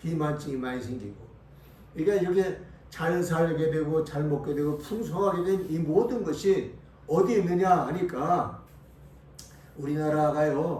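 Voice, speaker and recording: Against noticeable background noise and audible room echo, a man speaks fairly slowly in a fairly high pitch, with long, frequent pauses. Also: ordinary pitch variation. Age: 70s. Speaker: pastor. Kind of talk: sermon. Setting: church.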